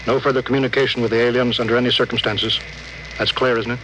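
A man's voice: medium pitch, flat delivery, quick pace, bright, forceful tone, natural voice, rough recording. Man doing a tough tired ship captain barking orders, old radio play, lots of hiss. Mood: grim. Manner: clipped, commanding. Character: stern, weary male starship captain. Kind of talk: 1950s radio drama acting. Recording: hissy old radio broadcast.

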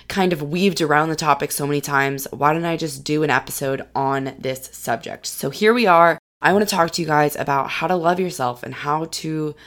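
Hoarse woman podcast host, low voice. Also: normal speed, few pauses, a bit bright. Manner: chatty, encouraging, talks straight to listeners. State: losing her voice, hoarse. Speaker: podcast host and lifestyle coach. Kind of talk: solo podcast monologue. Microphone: studio podcast mic.

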